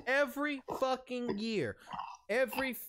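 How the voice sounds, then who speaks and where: A man's voice: extremely high pitch, moderate pace, very noisy. A man in his thirties ranting on stream in an open discussion, heated and profane, restarting his sentences often. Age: 30s.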